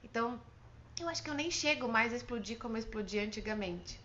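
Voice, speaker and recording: A woman's voice: a little high, expressive, fast talker, bright, forceful tone, muffled recording, slight background noise. A woman with a Brazilian Portuguese accent, a mother hosting a parenting advice talk, speaking earnestly and with emphasis in a coaching tone. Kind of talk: direct-to-camera advice talk.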